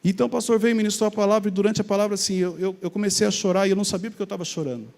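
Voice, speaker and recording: A middle-aged Brazilian man telling his personal faith testimony in an animated storytelling way, acting out remembered conversations. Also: high voice, rapid-fire, creaky, in a large hall. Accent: Brazilian Portuguese. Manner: animated, acts out remembered dialogue. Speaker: speaker sharing a faith testimony.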